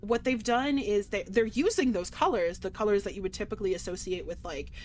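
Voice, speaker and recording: A woman's voice: medium pitch, brisk, darkish tone, soft background music. A woman streamer giving rambling, enthusiastic commentary on a game, full of fillers and trailing sentences.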